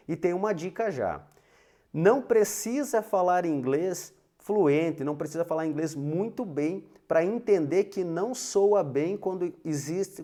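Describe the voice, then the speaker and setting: A man's voice: a little high, darkish tone. A Portuguese-speaking man teaching an English grammar lesson, having students repeat phrases after him and tagging lines with "né?" and "alright?".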